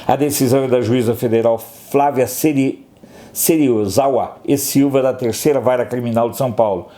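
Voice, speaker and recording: A man with a Brazilian accent runs through the day's headlines like a commentator, breaking off for sarcastic remarks of his own. His voice is mellow and dark. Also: mid-range voice, normal speed. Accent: Brazilian Portuguese. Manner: sarcastic asides between headlines. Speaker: news commentator. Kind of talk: opinionated headline review.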